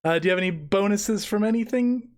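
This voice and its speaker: A woman's voice: medium pitch, quick pace, darkish tone. A woman running a tabletop roleplaying game as game master, talking casually and playfully.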